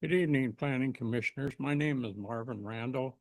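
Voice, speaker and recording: A man's voice: medium pitch, brisk, dry recording. A man in his seventies with an American accent, giving an earnest, emphatic prepared speech as a resident at a public meeting. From United States, Pacific Northwest. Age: 70s.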